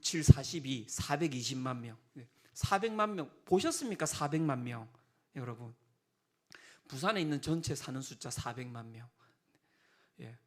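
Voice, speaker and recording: A male pastor preaching a sermon in a high, animated voice that swings widely up and down. He tells the story with humor and acts out quoted lines with exasperated, put-on voices.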